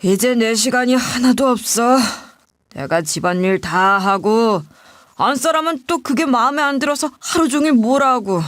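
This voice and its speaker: A woman's voice: a little high, moderate pace, no echo, clean studio sound, lightly acted. A woman voicing a drunk, self-pitying middle-aged husband who complains in a whiny, slurred way. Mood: whining.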